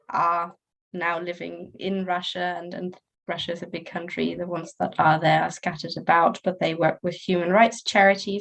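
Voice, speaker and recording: A woman's fairly low voice keeps a monotone, flat intonation at a moderate pace. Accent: slight German. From Germany. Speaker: volunteer program coordinator. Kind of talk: panel discussion. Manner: hesitant, many fillers.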